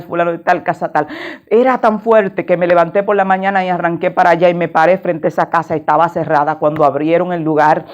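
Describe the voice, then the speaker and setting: A woman's voice: fairly low pitch, darkish tone, dull audio. Woman pastor telling a dramatic testimony. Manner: dramatic storytelling, acting out voices. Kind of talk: sermon testimony.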